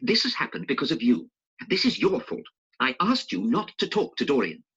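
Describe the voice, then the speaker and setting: A man's voice: medium pitch, sing-song, moderate pace, fairly bright tone, breathy edge, voice pushed up. A man reading an audiobook voices an earnest male painter who speaks in an insistent, protective way. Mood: reproachful. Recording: dull lo-fi recording.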